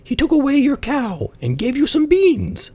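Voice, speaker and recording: Man doing a shrill angry mother. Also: very animated, moderate pace, warm tone. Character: Jack's angry scolding mother.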